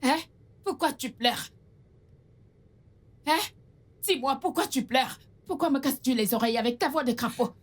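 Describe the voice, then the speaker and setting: An actress playing a cruel, bitter aunt who scolds and threatens with insults. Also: female voice, high voice, moderate pace, pauses often. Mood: scolding. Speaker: abusive aunt. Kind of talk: dubbed film drama.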